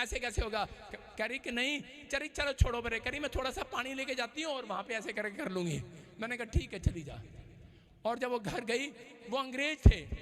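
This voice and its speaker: A man preaching a Hindi-language Pentecostal sermon in a church, telling stories and shouting commands against evil spirits. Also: very high voice. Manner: animated, storytelling, shouts deliverance commands. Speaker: pastor. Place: church hall.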